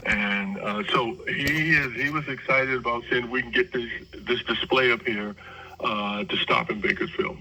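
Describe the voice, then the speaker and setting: A male radio talk show host with a very bright, forceful voice, speaking casually and stumbling over repeated words. It is a radio broadcast with a faint noise behind him. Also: mid-range voice, normal speed, muffled recording. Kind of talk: radio interview.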